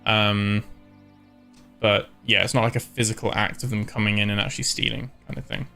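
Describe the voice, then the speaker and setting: Male streamer, laid-back thinking-aloud delivery, crisp bright tone over faint game music. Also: lowish voice, brisk. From born in Scotland, raised in Ireland. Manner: relaxed, thinking aloud with many ums and likes. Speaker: live-streamer. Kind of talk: casual gameplay commentary.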